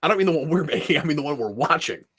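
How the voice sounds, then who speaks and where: A man with a high, very lively voice and a bright, sharp tone talks through a casual commentary chat. He is playful and animated, often breaking into loud, silly character voices. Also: very fast, breathy edge. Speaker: podcast co-host.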